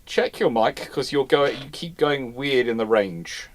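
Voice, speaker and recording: A man's voice: mid-range voice, unhurried. A man hosting a live history Q&A in casual expert discussion, often repeating and rephrasing himself as he goes. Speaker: host of a live naval history Q&A.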